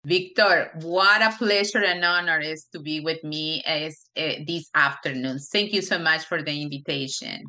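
A middle-aged woman from Peru with a Peruvian Spanish accent, telling her story as an interview guest in an earnest, halting way with many fillers. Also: sits low, pushed and bright. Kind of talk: interview conversation.

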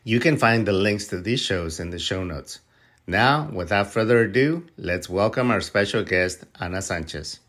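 A man hosting an interview podcast, opening with a formal, measured introduction before asking his guest questions. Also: fairly low pitch, lively intonation, fairly bright tone. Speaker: podcast host. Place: Texas.

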